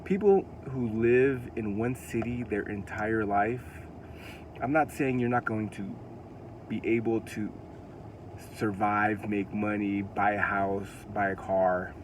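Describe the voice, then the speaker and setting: A man's voice: on the low side, slow pace, slight background noise. A man with a Californian accent giving a casual language lesson, earnest and a little preachy, repeating words for emphasis as he reads a children's alphabet book aloud. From United States. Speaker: language teacher.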